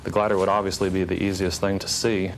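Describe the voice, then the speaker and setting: A man, a hang glider pilot, calmly recounting an accident he witnessed in an interview. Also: low-pitched, fast, a little hiss or hum, low-quality recording. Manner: calm, matter-of-fact recollection. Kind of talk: interview testimony.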